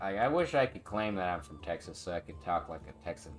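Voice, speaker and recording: Music plays in the background as a man with a fairly low pitch speaks. His pace is fairly quick and his intonation lively. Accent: American. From central Massachusetts, US. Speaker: gaming streamer. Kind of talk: casual live stream chat. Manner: casual, with fillers and swearing.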